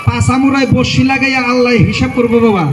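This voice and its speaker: A man giving a loud street-market sales pitch like a carnival barker, in repetitive, insistent patter aimed at passers-by. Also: level tone, fast. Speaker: street medicine seller. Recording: loud music behind the voice. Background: loud music.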